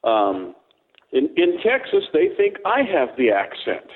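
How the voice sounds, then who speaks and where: A man's voice: fairly high pitch, wildly swooping pitch, a little slow. A man co-hosting a radio talk show, joking and rambling as he tells stories. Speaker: co-host. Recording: tinny phone line.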